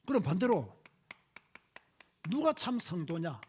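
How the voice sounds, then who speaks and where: A middle-aged male pastor preaching a sermon, emphatic, dropping to low asides and rising to loud exhortations. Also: huge pitch swings, slow pace, a little hiss or hum.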